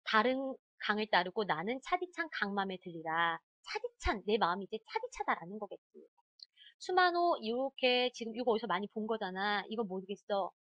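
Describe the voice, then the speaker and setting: Brief: animated woman teacher for an exam-prep lecture, voice riding up and down, quizzing her students, dry close mic. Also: medium pitch, no echo. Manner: animated, talks straight to students, quick quizzing asides.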